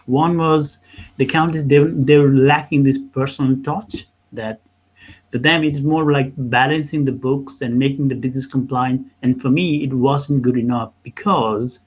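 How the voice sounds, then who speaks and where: A man who comes from Nepal talks in a conversational interview as a business owner. His delivery halts and doubles back on words, with rhetorical questions worked into his storytelling. The pitch sits in an ordinary middle range for a man. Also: fairly even intonation, moderate pace, husky.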